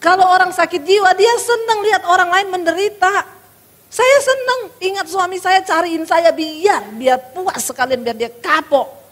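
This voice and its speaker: High-voiced woman preaching in a reverberant hall. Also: moderate pace, a bit bright. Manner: addresses the congregation as "saudara", emphatic and dramatic. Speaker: pastor. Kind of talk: sermon with personal testimony.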